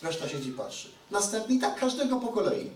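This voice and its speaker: A preacher with a high, very animated, fast voice gives a chatty, conversational sermon in a church hall, repeatedly asking the congregation questions. The mic sits at a distance in the roomy hall.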